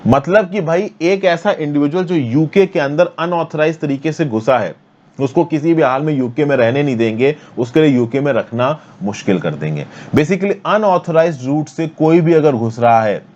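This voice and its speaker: A man from India with a slightly raised voice walks students through a news editorial, mixing English terms into relaxed Hindi. He keeps checking that the class follows. The recording is somewhat dull and lo-fi. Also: a little high, normal speed. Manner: explains with map, frequent "thik hai na". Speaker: teacher. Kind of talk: exam-prep editorial explainer.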